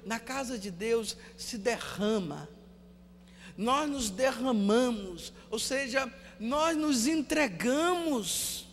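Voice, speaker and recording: A Brazilian priest preaching a sermon, telling stories and repeating words for emphasis, often dropping to a hush. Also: male voice, extremely high pitch, lively intonation, takes it slowly, big-room sound, slight background noise. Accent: Brazilian Portuguese.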